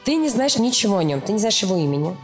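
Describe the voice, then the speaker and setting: A woman's voice: medium pitch, big pitch swings, racing, soft background music. A woman speaking as an interview guest, explaining things in an informal, emphatic way with mock quotes to illustrate. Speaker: animation studio production executive, interview guest. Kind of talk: explanatory interview talk with acted-out examples.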